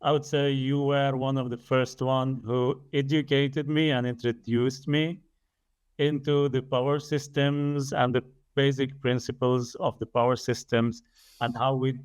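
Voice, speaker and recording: A man in his late thirties whose first language is Arabic, speaking in a middle-pitched voice. He talks as a podcast guest, earnest and careful, laying out explanations in a relaxed conversational flow. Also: smooth. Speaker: podcast guest, energy business developer.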